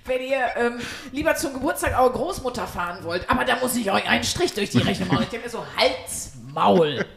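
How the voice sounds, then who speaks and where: A woman's voice: on the high side, animated, a little fast, creaky, crowd noise. A woman in casual, comedic podcast conversation, blunt and sweary, with exaggerated indignation as she hosts. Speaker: podcast host.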